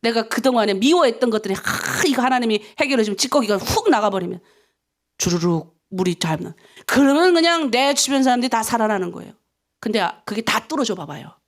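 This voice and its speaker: A middle-aged woman preaching at a dawn prayer service in a high, gravelly voice. She swings from loud, urgent pleading down to low, hushed near-whispers as she presses her listeners. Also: animated, brisk. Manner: acts out quoted prayers and vows. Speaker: pastor. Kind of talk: early-morning prayer sermon.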